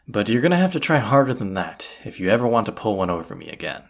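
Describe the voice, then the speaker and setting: An actor playing a gruff, teasing bandit leader in a roleplay audio drama, with a husky voice and a sardonic, folksy drawl. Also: medium pitch, very animated, fast. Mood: wry, teasing.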